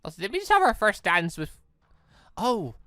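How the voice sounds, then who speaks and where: A man's voice: high-pitched, wildly swooping pitch, moderate pace, bright, forceful tone, clean tone, no echo, clean studio sound. A man hosting a let's play, rambling through his commentary with stammered self-corrections. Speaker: gaming video host. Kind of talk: let's play commentary, reading visual novel dialogue aloud. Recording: music behind the voice.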